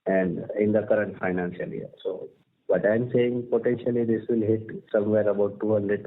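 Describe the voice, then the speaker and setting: A man with an Indian accent answering investor questions as a company executive on an earnings call, explaining things step by step. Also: on the low side. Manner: explanatory, uses tags like "right?" and "so to say". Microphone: conference call line. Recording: muffled narrow-band conference phone line.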